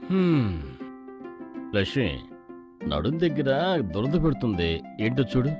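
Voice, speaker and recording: An actor playing a cunning middle-aged father in a Telugu film, with a Telugu accent and a calm, coaxing manner. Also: medium pitch, measured pace, over music.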